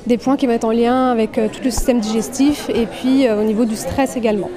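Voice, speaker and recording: A woman's voice: fairly high pitch, fairly even intonation, a little fast. A woman slimming coach explaining her sessions in an interview, fluent with light fillers. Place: busy exhibition hall. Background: crowd chatter.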